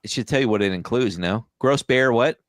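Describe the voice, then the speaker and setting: A man's voice: medium pitch, a little fast, no room sound. A man in his forties chatting enthusiastically on a live stream, laughing often. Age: 40s. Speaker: co-host. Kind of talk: casual live-stream chat.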